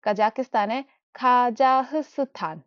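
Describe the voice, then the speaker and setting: A woman teaching a beginner language lesson, mixing Hindi and English and repeating each new word slowly several times as a drill. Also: on the high side, dry recording. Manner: mixes Hindi and English while explaining. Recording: dull, muffled dry recording.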